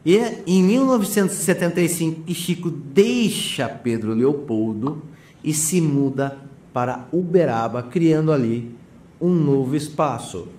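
A man's voice: fairly high pitch, measured pace, darkish tone, reverberant. A man, hosting a channel and narrating a documentary casually, speaking straight to his viewers. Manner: conversational, addresses viewers directly. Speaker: channel host.

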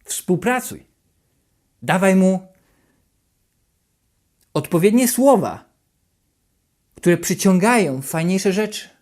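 A self-help channel host giving a motivational talk to the viewer, animated and repetitive, dropping into a hushed, anxious voice to act out inner thoughts. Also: mid-range voice, slow pace, long pauses. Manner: repeats and rephrases questions over and over.

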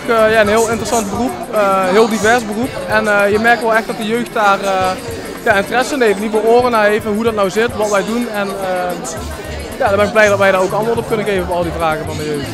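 Fast-talking young man, high voice, busy crowd. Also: steady tone. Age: 20s. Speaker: police officer. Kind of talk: spontaneous interview answer. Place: busy event hall. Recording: busy crowd and music behind.

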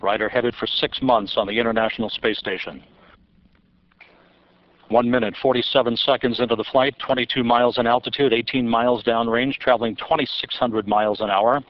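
A man calls a rocket launch live, reading out times, altitudes and speeds in a steady, measured delivery. His voice sits in a middle pitch. The broadcast audio sounds somewhat dull and muffled. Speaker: launch commentator. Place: mission control.

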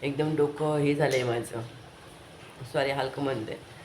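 Low, hoarse, stuffy-nosed young mother. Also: fairly even intonation, unhurried, a little mellow. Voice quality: hoarse, thick voice. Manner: chatty, keeps addressing viewers directly. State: congested, stuffy-nosed with a bad cold. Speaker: vlogger and mother. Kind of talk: casual home vlog talking to viewers. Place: living room at home. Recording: echoey room, faint background noise.

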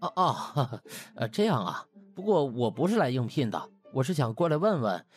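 A man's voice: medium pitch, sing-song, moderate pace, soft background music, close to an everyday voice. Man voicing a hesitant young man. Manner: hesitant, stammering.

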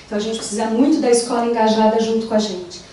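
A woman's voice: a little high, very fast, a little hiss or hum. Brazilian woman lecturing in an echoey hall. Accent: Brazilian Portuguese. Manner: animated, gestures while walking the stage. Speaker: psychologist giving a lecture. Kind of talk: conference talk. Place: large wood-panelled lecture room. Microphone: handheld mic, far camera. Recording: echoey room recorded from far off.

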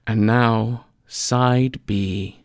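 A man reading a scripted comedic sponsor spot in a playful, deadpan, conversational way. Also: lowish voice, extremely slow, dry recording, clean studio sound. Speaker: podcast writer reading a sponsor ad.

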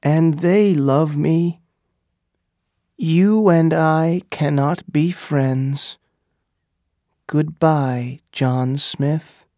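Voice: mid-range voice, very slow, long pauses, mellow, no room sound, clean studio sound. A narrator voicing a hurt, angry young Native American wife in audiobook dialogue, emotional and reproachful. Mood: sad, firm.

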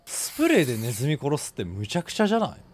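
A young man commentating live on a horror game in rough casual speech, blurting exclamations and sarcastic quips. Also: mid-range voice, wildly swooping pitch, rapid-fire, darkish tone, a little hiss or hum. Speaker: game streamer. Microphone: desk streaming mic, indoors.

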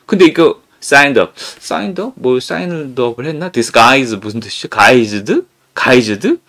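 A man explains English study methods in a casual lecture, his pitch swinging in an animated, expressive way. He stumbles and restarts words often, then slows down to read example sentences with care. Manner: animated, reads English sentences aloud slowly and deliberately; frequent stammered restarts. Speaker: English learning channel host.

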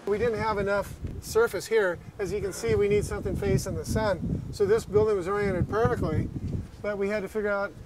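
A man's voice: sits high, steady tone, brisk, noisy background. An American man giving an unscripted, practical walk-through explanation as a brewery guide. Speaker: brewery staff giving a tour. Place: on a walking tour around an industrial brewery, much of it outdoors.

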